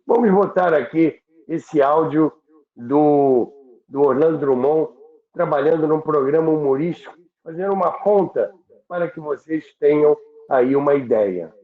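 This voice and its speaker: A roomy, phone-like recording of a Brazilian-accented man telling stories. He speaks slowly and haltingly, in a fairly high voice, repeating words for emphasis. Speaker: radio history storyteller on a podcast. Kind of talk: anecdotal storytelling talk. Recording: roomy, tinny phone-like sound.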